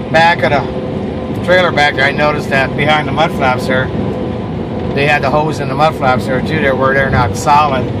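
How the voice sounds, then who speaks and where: Loud background noise accompanies speech delivered at a moderate pace. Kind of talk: casual driving commentary. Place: car. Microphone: phone near.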